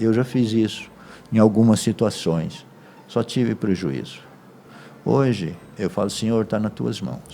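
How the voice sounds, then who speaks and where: Fairly low in pitch, a man's voice carries a dark, mellow tone. He talks at a fairly slow pace with long, frequent pauses. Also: ordinary pitch variation. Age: 70s. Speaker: church deacon. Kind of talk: testimony.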